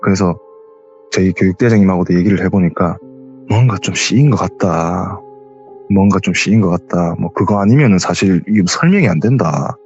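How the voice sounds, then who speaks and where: A man's voice: low voice, normal speed, a little mellow, dull audio, faint music behind. A young man with a heavy regional dialect tells a true ghost story as a guest, acting out the quoted voices.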